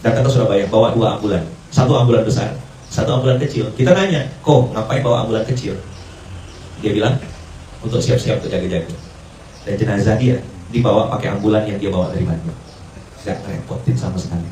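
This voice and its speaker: Fast-talking man preaching in a roomy space. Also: on the low side, mellow, a little hiss or hum. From Indonesia. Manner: conversational, mixes Arabic and English phrases, acts out quoted dialogue. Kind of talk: morning sermon with storytelling. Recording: roomy, distant mic with faint ambience.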